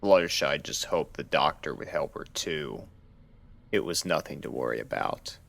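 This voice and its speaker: A man narrating a scripted horror story in a measured, dramatic storytelling manner. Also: very deep voice, lively intonation, creaky, fairly bright tone. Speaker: narrator of fan fiction readings.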